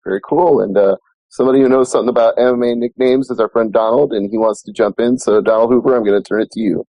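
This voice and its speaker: Brisk mellow-voiced male host. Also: medium pitch, steady tone, no echo, poor audio. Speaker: podcast host. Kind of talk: interviewer.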